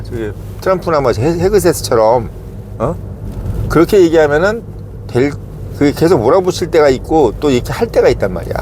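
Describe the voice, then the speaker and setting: A middle-aged man giving casual political commentary. He talks in short bursts, checks in with his listeners every few lines, and slows down to stress key words. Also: fairly high pitch, a little mellow, a little hiss or hum. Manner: talks in short bursts, keeps asking "응?" and "어?" for agreement.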